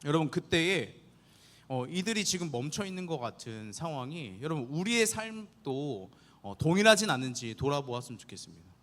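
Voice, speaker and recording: Animated young man preaching a youth sermon. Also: a little high, brisk, in a large hall. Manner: earnest, animated preaching with rhetorical questions to the youth. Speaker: youth pastor.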